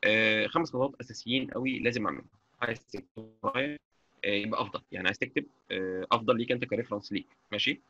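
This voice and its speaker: A fast-talking Egyptian man with an Egyptian Arabic accent teaching software live, his voice gravelly and bright. He keeps stopping to check that his students follow. The dull, lo-fi mic takes some of the edge off. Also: lowish voice, expressive. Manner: chatty, checks understanding constantly. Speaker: software instructor. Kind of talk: live online lecture.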